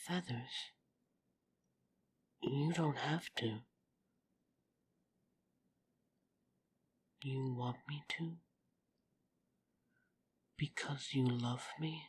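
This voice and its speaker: Woman playing slow-speaking, low-voiced young vampire. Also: slight background noise, full character voice. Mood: touched, tender. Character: young female vampire, guarded but devoted. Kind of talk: audio drama acting.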